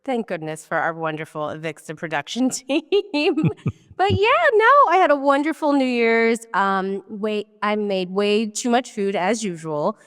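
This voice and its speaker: A woman's voice: mid-range voice, big pitch swings, a little slow, big-room sound. Chatty woman host with a head cold. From Washington DC area, US. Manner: chatty, laughs often, rambling asides. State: slightly nasal from a cold. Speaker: podcast co-host. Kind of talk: casual chat.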